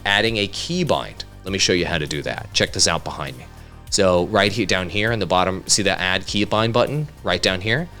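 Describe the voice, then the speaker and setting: Deep-voiced man hosting a software tutorial. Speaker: tutorial host, content creator. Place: home studio. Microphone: studio microphone.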